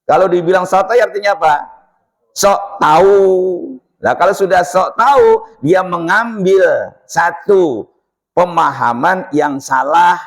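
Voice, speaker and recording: A man's voice: sits high, a little slow. An older man giving an informal religious lesson at a mosque, telling anecdotes and acting out the voices in them. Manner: lively storytelling, acting out dialogue, laughing. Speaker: mosque teacher giving a dawn study class.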